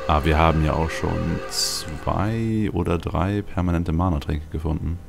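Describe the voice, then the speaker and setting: Very deep, creaky-voiced man commenting on gameplay. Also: fairly even intonation, moderate pace. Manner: rambling, thinking aloud. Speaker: let's play host. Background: video game music.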